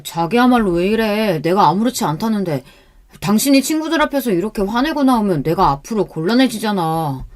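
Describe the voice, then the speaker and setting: A woman's voice: mid-range voice, animated, a little fast, natural voice. A woman voicing a spineless young husband who answers his wife defensively and with irritation. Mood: irritated.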